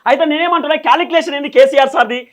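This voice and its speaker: Very high-pitched, fast Telangana man presenting news. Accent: Telangana Telugu. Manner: emphatic, repetitive, poses and answers own questions. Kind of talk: explanatory political commentary at a board.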